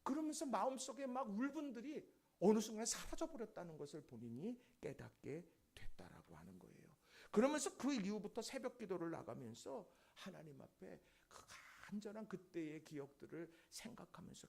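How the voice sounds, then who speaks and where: A man's voice: fairly high pitch, vocal fry, darkish tone, husky. A man preaching a sermon in a church, telling a testimony story and acting out the voices of the people in it. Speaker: pastor. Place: church sanctuary.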